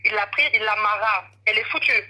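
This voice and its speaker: A woman caller confiding in a coach, keeping her voice low so as not to wake a sleeping child. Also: quick pace, bright, forceful tone, rough recording. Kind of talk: confiding phone call.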